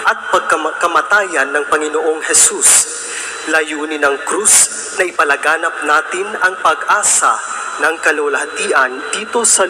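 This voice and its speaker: A man with a Filipino accent hosting a religious broadcast, reading solemn, measured narration in a reverent manner. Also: on the high side, background noise. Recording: background music under the voice. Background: music.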